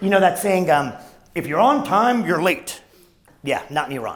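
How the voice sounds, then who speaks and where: A man with an American accent talks at a fairly quick pace in a high pitch, his tone animated and his intonation lively. Audible room echo and noticeable background noise surround him. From Los Angeles, US. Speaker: pediatric dentist. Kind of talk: lecture.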